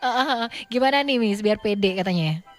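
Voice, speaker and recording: A woman's voice: medium pitch, lively intonation, normal speed, faint music behind. A young woman hosting a studio radio show, chatting casually and giggling as she reads out listener messages. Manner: chatty, giggly, many fillers. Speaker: radio host.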